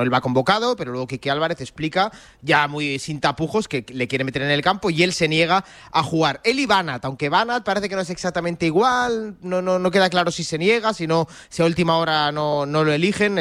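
A man discussing football spontaneously as a pundit, explaining things haltingly and repeating words as he goes. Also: on the high side, a bit bright, no room sound. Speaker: sports pundit.

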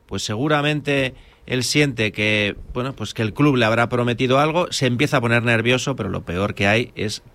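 A man's voice: medium pitch, normal speed, a bit bright. A man talking conversationally about football as a pundit in a group discussion. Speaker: sports pundit.

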